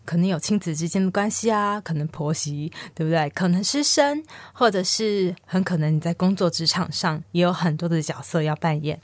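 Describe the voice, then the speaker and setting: A woman, a psychologist hosting a podcast, explaining gently and asking her listeners questions. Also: lowish voice, brisk, few pauses, no echo.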